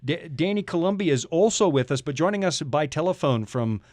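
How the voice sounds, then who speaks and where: A man's voice: fairly high pitch, animated, brisk, a little mellow, dry recording, clean studio sound. A man from Canada hosting a radio interview with jovial, teasing banter. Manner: teasing, joking. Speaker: radio host.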